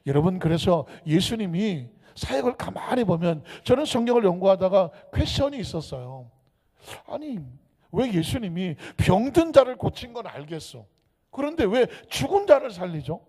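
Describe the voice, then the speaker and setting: A man preaches a sermon into a microphone with a high, gravelly voice that leaps all over its range. He drops to hushed whispers for emphasis, then rises to loud calls and has the congregation repeat after him. The long echo of a church hall trails his words. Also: sing-song, normal speed. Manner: leads the congregation in call-and-repeat. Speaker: pastor. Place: church sanctuary.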